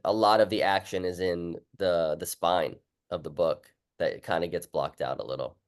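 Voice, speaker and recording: A man with a low-pitched voice hosts a relaxed, casual conversation. He talks informally as the interviewer, dropping in quotes of what he said or thought. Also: normal speed. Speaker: interviewer, book author. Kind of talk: casual chat.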